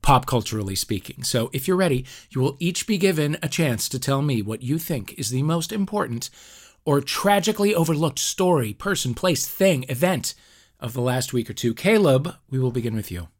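A man's voice: mid-range voice, expressive, moderate pace. Playful man hosting a comedy game show. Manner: mock-grand, playful announcing with dry asides. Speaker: comedy podcast host.

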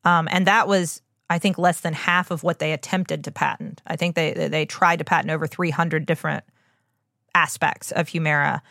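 A woman with a slightly low voice talks as a podcast host and doctor. She explains conversationally and earnestly, with informal, emphatic asides. The sound is dry. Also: fairly even intonation, normal speed, gravelly, fairly bright tone, dry recording.

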